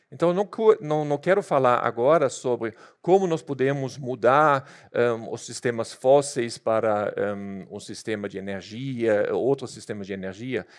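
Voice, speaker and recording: In a German accent, a man speaks at a fairly slow pace and medium pitch, with big swings in loudness. The background is quiet. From Germany. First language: German (speaking Portuguese). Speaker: energy transition director. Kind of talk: conference talk. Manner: halting, many fillers.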